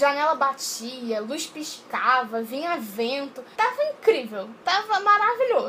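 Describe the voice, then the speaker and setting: Light background noise sits under a woman's high voice, which swings very widely in pitch. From Brazil. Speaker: book and TV series YouTuber; series vlogger. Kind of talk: casual vlog recommendations. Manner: animated. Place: home room.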